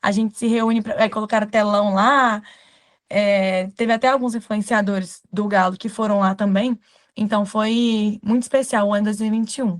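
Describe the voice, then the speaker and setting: An ordinary speaking voice from a woman, fairly high in pitch, at a moderate pace. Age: 20s. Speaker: football supporter, journalism student. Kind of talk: interview.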